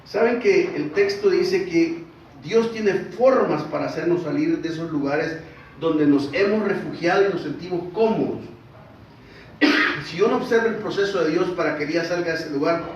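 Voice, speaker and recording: A man's voice: a little high, slight background noise. A man, preaching a sermon as pastor in a conversational style and putting questions to the congregation. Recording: distant echoey hall, dull sound.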